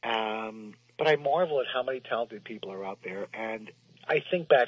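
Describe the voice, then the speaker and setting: This man has a normal speaking voice with lively intonation. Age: 60s. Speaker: musician from a 1970s band. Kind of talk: interview.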